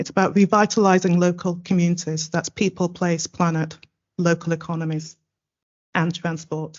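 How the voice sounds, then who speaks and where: A woman with a northern English accent speaks at a moderate pace in a fairly low pitch, her intonation flat and monotone. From northern England, Wakefield. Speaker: panel chair. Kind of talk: event welcome speech. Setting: stage with live and online audience.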